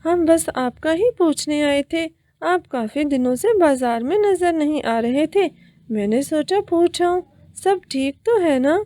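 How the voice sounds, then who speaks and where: A woman's voice: high voice, animated, dark tone, no room sound, studio quality, pitched above the performer's own voice. A woman voicing a sensible female sparrow in a cartoon, who speaks in a reproachful way. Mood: friendly.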